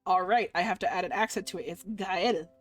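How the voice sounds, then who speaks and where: A woman's voice: mid-range voice, a little fast. A woman streaming a game, reading the story aloud expressively with playful casual commentary over music. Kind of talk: dramatic read-aloud of visual novel with casual commentary. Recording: music playing underneath.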